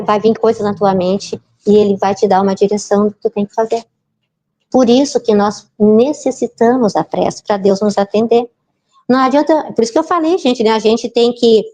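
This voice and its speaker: A woman giving an informal spiritist talk, chatty and often turning to the audience with quick tag questions. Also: a little high, a little mellow. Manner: chatty, keeps asking the audience "né, gente?". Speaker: spiritist lecturer.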